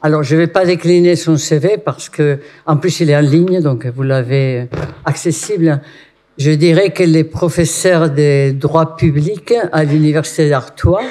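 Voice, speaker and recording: Higher-voiced man introducing a guest speaker. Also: mellow. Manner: informal, switching into a joking tone. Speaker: event organizer introducing the speaker. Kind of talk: introduction at a conference. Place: lecture hall.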